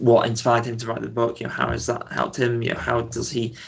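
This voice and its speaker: In a Leeds accent, a man talks at a medium pitch. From northern England, Leeds suburb. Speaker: student society president. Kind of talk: interview.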